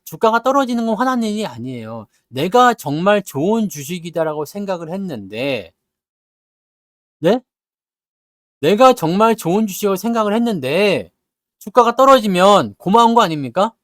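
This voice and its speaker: A man giving casual stock market talk, scolding his viewers with blunt rhetorical questions and acting out their grumbling in quick asides. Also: high voice, sing-song, a bit bright, no room sound, clean studio sound.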